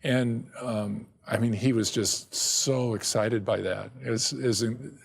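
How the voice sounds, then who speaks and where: A middle-aged man answering interview questions about his work and family, speaking haltingly with frequent restarts and soft chuckles. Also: mid-range voice, steady tone, vocal fry, slightly rough. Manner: halting, many restarts and repeated words; chuckles often. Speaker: guest, ministry director.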